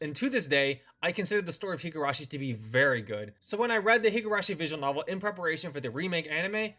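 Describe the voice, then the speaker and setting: A man's voice: a little high, pushed and bright. A man hosting a review in semi-scripted commentary, opinionated and given to informal asides. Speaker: host of a visual novel review channel.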